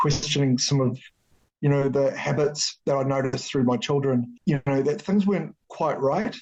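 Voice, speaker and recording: This man's voice is fairly high-pitched, with ordinary pitch variation. He speaks with a New Zealand accent. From New Zealand, Auckland. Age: 40s. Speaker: technical writer and agile project manager. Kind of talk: interview. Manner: halting.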